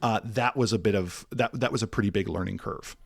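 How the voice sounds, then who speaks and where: Deep-voiced thoughtful man podcast guest. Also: brisk, gravelly, slight background noise. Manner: thoughtful, hesitant, with fillers. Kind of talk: casual podcast chat.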